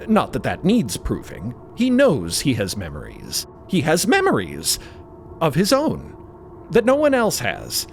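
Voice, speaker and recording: Very animated male narrator. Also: medium pitch, unhurried, creaky, slight background noise. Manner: theatrical, expressive. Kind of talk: scripted dramatic storytelling narration.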